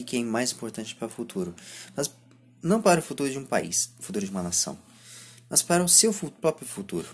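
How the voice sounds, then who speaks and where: A man in his twenties with a Brazilian accent and a husky voice, speaking a reflective monologue to camera as a vlogger, halting between short phrases. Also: fairly low pitch. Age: 20s. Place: small indoor room lined with bookshelves. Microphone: phone or camera at arm's length.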